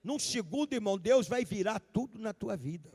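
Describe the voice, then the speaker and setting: Pastor guy preaching, really high voice, keeps repeating himself and calling out to the brothers. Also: expressive, normal speed, darkish tone. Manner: emphatic preaching, repeats key lines, calls out to the congregation. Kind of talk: sermon. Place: large church sanctuary, live service. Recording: long hall reverb of a church.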